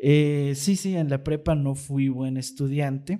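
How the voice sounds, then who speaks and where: Pitch varies in an ordinary way, and the pace is very slow. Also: man. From Veracruz, Mexico. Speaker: chess content creator. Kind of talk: casual chat. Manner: halting.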